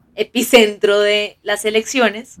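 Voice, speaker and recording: An ordinary speaking voice from a woman, fairly high in pitch, with fairly even intonation and a dry, close sound with no echo. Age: 20s. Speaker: podcast host. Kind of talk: casual chat.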